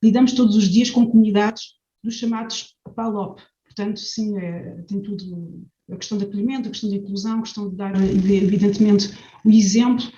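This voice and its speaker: A woman's voice: mid-range voice, fairly even intonation, brisk, warm tone. A woman moderating a webinar panel, reading audience comments aloud with hesitant restarts. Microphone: video call. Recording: echoey, slightly dull video call audio.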